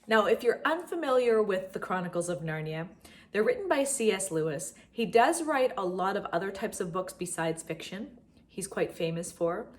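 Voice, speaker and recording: A woman's voice: mid-range voice, lively intonation, normal speed. A middle-aged woman hosting a homeschool vlog, talking casually and directly to her viewers. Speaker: homeschool vlogger and channel host. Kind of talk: casual vlog talk to viewers about books.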